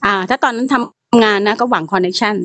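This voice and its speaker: A middle-aged woman chatting as a guest on a live talk stream, fast, talkative and slangy. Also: medium pitch, a bit bright, no echo. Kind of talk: casual chat.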